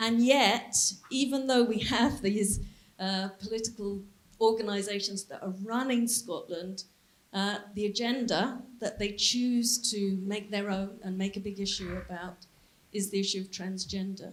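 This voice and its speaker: A woman talks at a fairly slow pace with fairly even intonation. Her voice is somewhat breathy. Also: medium pitch for a woman. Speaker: audience member. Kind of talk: public debate question.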